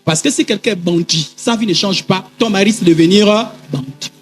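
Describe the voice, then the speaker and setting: A man with a very high voice preaching a sermon, swinging between loud, excited bursts and hushed asides as he acts out both sides of a conversation. He speaks, and faint music plays behind him. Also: a little fast. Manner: animated storytelling, acting out dialogue, frequent fillers. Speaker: pastor. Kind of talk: sermon with acted anecdotes.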